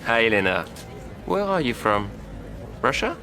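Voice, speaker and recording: A man playing a friendly young man making small talk in a slow, clearly spoken lesson dialogue. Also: mid-range voice, big pitch swings, sharp tone, soft background music, exaggerated voice. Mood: chatty.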